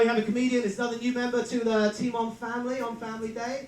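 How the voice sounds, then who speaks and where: With audible room echo and noticeable background noise, a man speaks at an extremely high pitch in an English accent. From England. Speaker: comedy show host. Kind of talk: stand-up.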